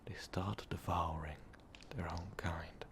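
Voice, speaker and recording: A man playing an ancient, brooding vampire overlord in a slow, halting, breathy half-whisper for an ASMR roleplay. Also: sits low, level tone. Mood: grim recounting. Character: ancient brooding male vampire overlord confessing his dark past. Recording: noticeable background noise.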